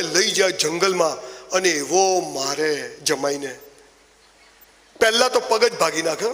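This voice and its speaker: A man delivers a motivational speech, spinning comic stories with mocking asides. His voice sits high for a man. It rings out with a long hall reverb. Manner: animated storytelling with mocking asides. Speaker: motivational speaker.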